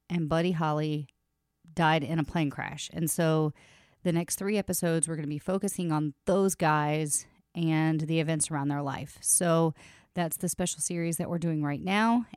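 A woman hosting a casual music podcast, talking in quick, chatty bursts and laughing often, a little sniffly from allergies. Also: low voice, a little mellow, smooth, no echo, clean studio sound. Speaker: podcast host. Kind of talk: casual chat.

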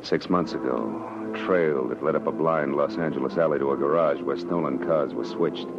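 An American actor playing a wry, world-weary private detective, narrating tersely and dramatically in 1940s radio drama style. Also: male voice, a bass voice, normal speed, music in the background. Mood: grim narrating. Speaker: actor narrating as lead character. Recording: noisy, muffled old-time radio recording.

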